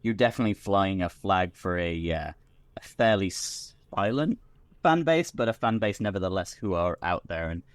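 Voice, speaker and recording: British man, podcast guest, low voice, dry sound, rambling casual chat. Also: lively intonation, normal speed, clear, resonant tone, no echo. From Britain. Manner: chatty, full of restarts and repeated words.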